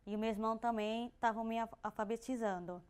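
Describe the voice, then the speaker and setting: A woman's voice: fairly high pitch, steady tone, a little mellow, clear, resonant tone. A young deaf woman with a Brazilian Portuguese accent, a guest on a TV talk show, explaining carefully. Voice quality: deaf speaker who lip-reads. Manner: measured, explains carefully with some restarts. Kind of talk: studio talk show interview.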